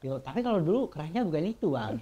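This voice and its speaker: A man's voice: fairly high pitch, sing-song, rapid-fire, highs cut off, a crowd in the background. A young man from Cilacap with a Banyumas-tinged accent, a podcast guest talking candidly and with self-deprecating slang about his past. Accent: Banyumas (ngapak) Javanese-tinged Indonesian. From Cilacap, Central Java. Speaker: guest, ride-hailing driver. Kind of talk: casual podcast chat.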